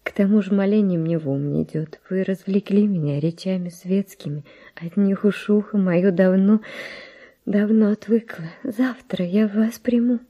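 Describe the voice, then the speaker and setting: An actress playing a guarded, proud yet wavering noble widow in a classic radio play, breathy and hushed, with measured theatrical delivery. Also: female voice, mid-range voice, dull audio, close to an everyday voice. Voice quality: breathy, often near whisper. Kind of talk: classic Russian radio play verse acting.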